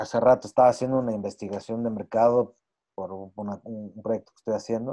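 A man at a medium pitch and fairly quick pace, with a dark, mellow tone, monotone, flat intonation and big swings in loudness. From Portugal. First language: Portuguese (speaking Spanish). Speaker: agency partner, entrepreneur. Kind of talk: interview.

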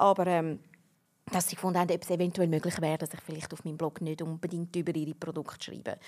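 A woman at a very fast pace, with fairly low pitch and monotone, flat intonation. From California, then Zurich from age 12. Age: 40s. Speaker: beauty blogger. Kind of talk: casual interview chat.

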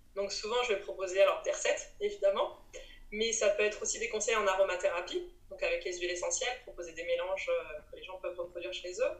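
A woman rattles off her words very quickly, with noticeable noise behind her. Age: 30s. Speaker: raw vegan chef and aromatologist. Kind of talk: interview.

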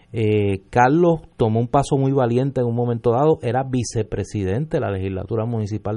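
A man's dark, mellow voice at medium pitch, fairly quick and with ordinary pitch variation, against a quiet background. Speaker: radio co-host, political commentator. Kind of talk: political panel discussion.

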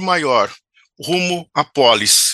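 The tone is bright and sharp, with ordinary pitch variation. The sound is dry and close, with no echo. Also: man. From Paraná, Brazil. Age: 60s. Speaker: retired civic activist. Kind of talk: podcast interview.

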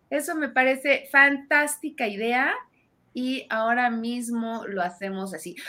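A woman with a high voice and a bright, sharp tone speaks in an animated way at a fairly slow pace, her intonation lively. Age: 50s. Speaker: designer and entrepreneur mentor. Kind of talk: interview conversation. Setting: video call.

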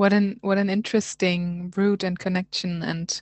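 A woman with a German accent speaks at a medium pitch and a fairly slow pace, in monotone, flat intonation. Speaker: podcast host. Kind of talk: casual interview.

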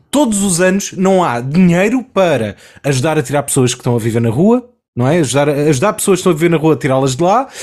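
A man's voice with very wide pitch swings. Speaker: podcast co-host. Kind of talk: casual chat.

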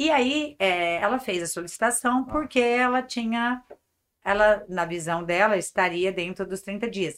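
A woman with a plain, everyday voice speaks at a fairly slow pace. Her pitch is medium and her intonation lively. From Brazil, Mato Grosso do Sul (Dourados). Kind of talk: interview.

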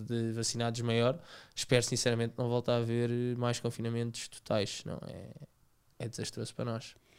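A man's voice at a medium pitch. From Portugal, Lisbon. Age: 20s. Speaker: surf school owner. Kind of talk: interview conversation.

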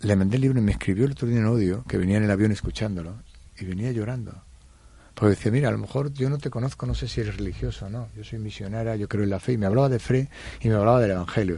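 Against a quiet background, a man with a fairly low pitch and a dark, mellow, somewhat breathy tone speaks at a very fast pace with ordinary pitch variation. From Spain. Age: 50s. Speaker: entrepreneur and author. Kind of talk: interview.

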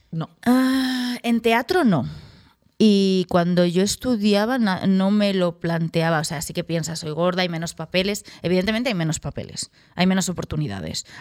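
A woman talks at a moderate pace with a medium pitch and ordinary pitch variation, recorded with a dry, close sound and no echo. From Guadalajara, Spain. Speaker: actress. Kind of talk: casual interview.

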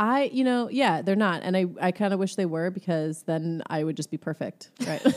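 A woman's medium-pitched voice with an American accent, an ordinary speaking voice, moderate pace and lively intonation. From Chicago, US Midwest. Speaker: therapist, podcast co-host. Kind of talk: casual chat. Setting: studio, upgraded recording setup. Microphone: new mic with windscreen.

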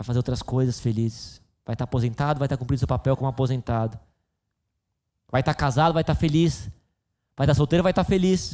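A man with a dark, mellow tone talks very fast at medium pitch with ordinary pitch variation and long, frequent pauses, on a very clean recording with a silent background. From Brazil, São Paulo city. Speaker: pastor. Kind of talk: sermon. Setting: church service in a hotel venue.

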